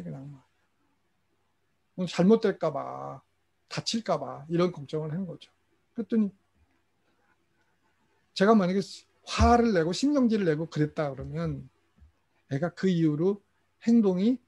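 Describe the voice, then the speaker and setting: A middle-aged man leads a parent training session in an easy, chatty lecture style. His voice sits noticeably high, and he moves through personal family anecdotes, acting out short quotes from his relatives. It sounds like a talk given over an online screen share. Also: mellow. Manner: storytelling, mimics family members in quotes, chuckles. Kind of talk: casual lecture with acted quotes.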